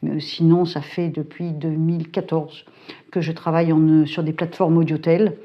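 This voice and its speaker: A middle-aged woman talking casually to camera, colloquial and brisk, with lots of fillers and hesitations. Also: sits low, little pitch movement, highs cut off. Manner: chatty, colloquial, frequent filler tags and hesitations; brisk and self-described hyperactive. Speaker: psychic YouTuber. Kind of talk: casual talking-head chat. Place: home.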